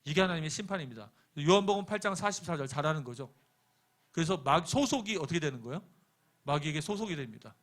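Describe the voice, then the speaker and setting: A man's voice: on the high side, expressive, fast talker, a bit bright. A middle-aged man preaching a sermon as pastor. He keeps asking the congregation questions and answering them himself, and tells a personal story with quoted lines. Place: church sanctuary.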